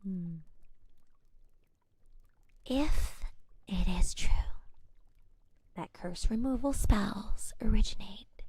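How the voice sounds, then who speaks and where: A woman playing an earnest, caring scholarly witch in a soft-spoken ASMR roleplay, speaking breathily and thoughtfully with pauses, close to the microphone. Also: medium pitch, husky, dry recording, full character voice. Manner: hesitant, thoughtful, explaining gently with pauses. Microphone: close microphone, dry sound.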